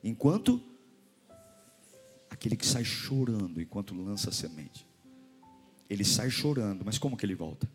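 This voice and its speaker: A male pastor preaching a sermon, moving between hushed pleading and loud, fervent exhortation. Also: lowish voice, very animated, normal speed, pauses often, soft background music.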